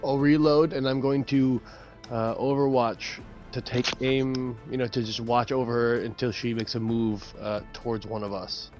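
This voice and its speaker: A man chats as a player in a tabletop roleplaying game. His mid-pitched voice comes through slightly muffled, low-fidelity audio with faint music underneath. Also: fairly even intonation, normal speed, darkish tone. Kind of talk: casual game chat.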